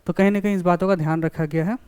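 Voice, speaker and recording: High-voiced lecturer, crisp and dry. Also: male voice, steady tone, rapid-fire, darkish tone, no room sound. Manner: explains with classroom examples, often checks understanding. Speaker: college lecturer. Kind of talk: classroom lecture.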